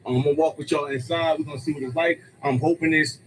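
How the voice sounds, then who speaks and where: Upbeat vlogger man over clear street ambience. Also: fairly high pitch, steady tone, fast talker, a little hiss or hum, poor audio. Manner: upbeat, hype greeting to viewers. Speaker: travel vlogger. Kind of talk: on-location vlog narration. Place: outdoors in public places.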